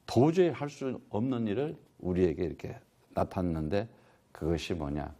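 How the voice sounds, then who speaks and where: A middle-aged male missionary preaching a sermon, his pitch rising and falling in a lively sweep. He teaches in a rhetorical style, posing questions to the congregation and answering them himself. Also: vocal fry.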